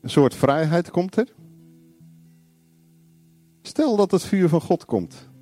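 A man preaching a sermon, blunt and confrontational, acting out little dialogues and shouting single words. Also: on the high side, expressive, takes it slowly, faint music behind.

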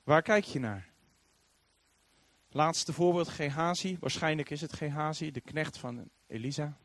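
Male preacher, animated storyteller, high-ish and very lively pitch, dry close sound. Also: unhurried, dry recording. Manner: animated storytelling, acting out quoted voices. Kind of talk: sermon.

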